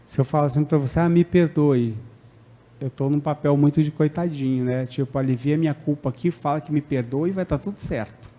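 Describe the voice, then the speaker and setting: A man's voice: fairly high pitch, quick pace, hardly any pauses, dark tone. A man from Brazil giving a conversational public talk at a spiritist centre, acting out quoted lines and tagging sentences with "né?". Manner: conversational, acts out quoted lines, frequent "né?" tags. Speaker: spiritist lecturer. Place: spiritist centre lecture hall.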